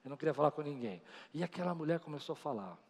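A man's voice: fairly high pitch, expressive, rapid-fire, gravelly, darkish tone. A man preaching a sermon, telling stories with animation and acting out the voices of others. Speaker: pastor. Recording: long reverb of a large hall.

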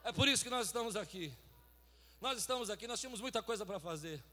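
A man with a Brazilian Portuguese accent preaching a fervent sermon, shouting out lines and then dropping to hushed storytelling. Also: high voice, animated, fast. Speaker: pastor. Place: large church hall. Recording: long reverb of a big church hall.

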